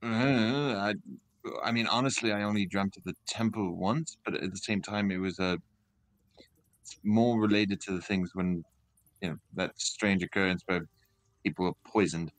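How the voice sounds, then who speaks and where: A man's voice: on the low side, fairly even intonation, normal speed. A man playing a tabletop game, casually thinking aloud as he describes what his character does.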